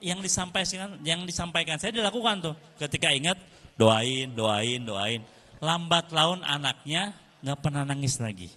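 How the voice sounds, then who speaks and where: Man, bright forceful tone, somewhat high voice, lively storytelling preacher. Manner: lively storytelling, repeats phrases for emphasis. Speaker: Islamic teacher and preacher. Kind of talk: lecture to parents.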